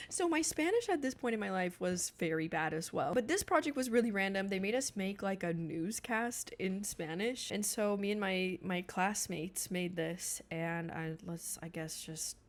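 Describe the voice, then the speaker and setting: A young woman hosting a casual reaction vlog, chatty and self-mocking, laughing often. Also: mid-range voice. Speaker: YouTuber.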